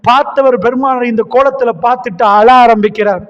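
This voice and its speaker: A man preaching an impassioned sermon, telling stories with rising fervor that builds to loud cries. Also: very high voice, fairly even intonation, fast talker. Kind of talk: Islamic sermon. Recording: reverberant hall sound, muffled lo-fi.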